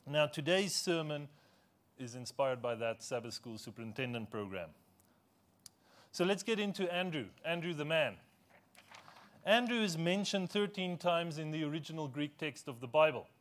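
Afrikaans-speaking man preaching a sermon. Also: a little high. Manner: conversational, self-deprecating humor, asks congregation questions. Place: church.

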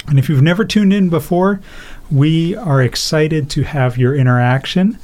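A man hosting a live Christian radio call-in show, speaking in a measured, announcer-like way with the odd uh. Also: medium pitch, darkish tone.

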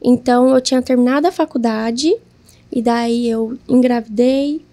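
High-voiced woman telling her story. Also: moderate pace. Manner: animated, acts out her own past words. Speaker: guest, entrepreneur. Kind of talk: casual interview storytelling.

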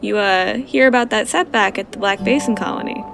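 A woman's voice: medium pitch, a little fast, vocal fry, a bit bright, soft background music. A woman playing a brash, sly, sarcastic black-market arms dealer in an audio drama, offhand and dismissive. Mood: smug, sly.

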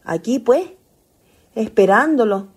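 A woman's voice: a little high, animated, slow, darkish tone, breathy edge, exaggerated voice. A woman acting a naive, affectionate young country ghost in a radio drama, with a Chilean accent and folksy, coaxing speech. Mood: chatty, expectant.

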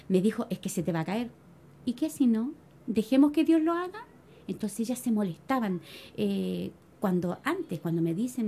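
A middle-aged woman with a Chilean accent giving a spoken religious testimony to a congregation, telling her story in an animated way and calling her listeners brothers. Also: medium pitch, vocal fry, breathy edge. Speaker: church member giving testimony.

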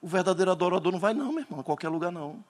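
A Northeastern Brazilian man preaching a Pentecostal sermon, telling stories dramatically and bursting into shouts. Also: sits high, lively intonation, racing.

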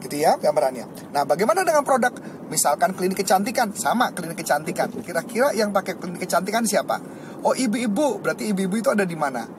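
A middle-aged man giving a motivational sales lesson, explaining points and acting out eager sales pitches with lively energy. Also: quick pace, background noise. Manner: lively, acts out sales pitches with rising enthusiasm. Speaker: sales trainer.

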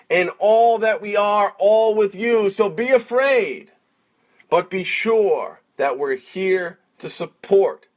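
A man reciting spoken word like a slam poet, in a dramatic, deliberate delivery. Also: high-pitched. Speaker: coach reciting a poem.

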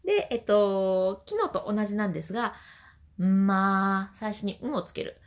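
A woman vocal trainer explaining voice exercises gently and singing short demonstrations. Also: mid-range voice, expressive, normal speed. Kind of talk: voice training lesson.

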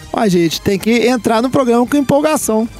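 A man's voice: very high-pitched, expressive, moderate pace, darkish tone, faint music behind. A man with a Brazilian accent hosting a sports podcast, upbeat and teasing with his co-hosts. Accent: Brazilian Portuguese. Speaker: podcast host. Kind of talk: casual sports podcast chat.

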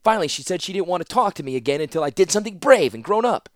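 Guy doing a high rushed young student, yells and stammers, voice jumping all over. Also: big pitch swings, dry recording, clean studio sound. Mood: eager. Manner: shouting, breathless rushing, stammering. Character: impulsive young male student, defiant.

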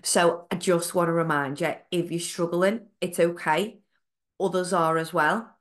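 A young woman chats through a solo fitness podcast, her voice nasal and bunged up from a cold. She sits a little low in pitch and keeps things friendly and encouraging, with plenty of ums and likes along the way. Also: steady tone, unhurried. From United Kingdom. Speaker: podcast host, fitness coach. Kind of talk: casual solo podcast talk.

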